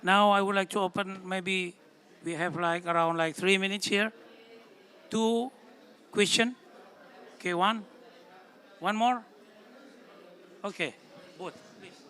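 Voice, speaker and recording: A man moderating a panel Q&A, brisk and casual with fillers. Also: high voice, fairly even intonation, pushed and bright, smooth.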